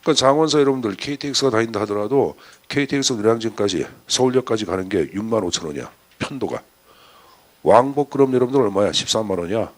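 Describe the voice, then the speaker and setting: Man, exam-prep lecturer, animated pitch, rhetorical questions. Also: quick pace. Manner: chatty, rhetorical questions to students, lively asides.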